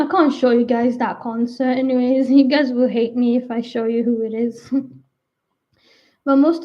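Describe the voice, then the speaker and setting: High in pitch, a woman speaks at a moderate pace with fairly even intonation. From Sweden and England. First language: Swedish. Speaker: livestreamer. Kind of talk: casual livestream chat. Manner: rambling with hesitations.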